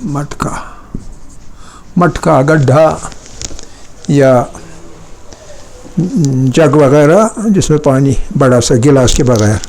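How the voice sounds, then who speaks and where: A man teaching a classroom lesson at a slow, unhurried pace, drilling each word over and over. His voice sits somewhat high for a man. He explains patiently and breaks off to ask his pupils whether they follow. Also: darkish tone. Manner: checks pupils often with short questions. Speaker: Persian teacher.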